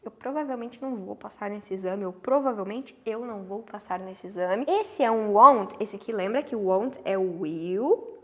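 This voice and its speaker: A woman with a Brazilian Portuguese accent teaching English phrases in a lively lesson. She says English examples slowly and often checks in with her students. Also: medium pitch. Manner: animated, stretches English examples slowly, frequent "tá?" check-ins.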